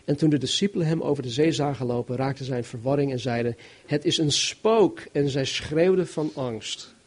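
A man preaching a sermon, reading Bible verses and explaining them in an animated, emphatic way, swinging between loud and soft. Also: medium pitch, fast talker, breathy edge. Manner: animated, emphatic, varies loudness widely.

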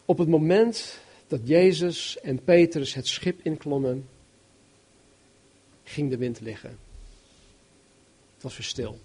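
A man preaching a sermon, reading Bible verses and explaining them in an animated, emphatic way, swinging between loud and soft. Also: fairly high pitch, slow, long pauses, breathy edge. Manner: animated, emphatic, varies loudness widely.

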